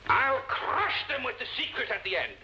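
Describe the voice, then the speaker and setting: Brief: pompous husband in a vintage TV drama, bright high voice, huge swoops, grand speechmaker. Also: male voice, sing-song, normal speed, a little hiss or hum, full character voice, poor audio. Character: pompous self-satisfied husband, fond of speeches. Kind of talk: 1950s television drama acting.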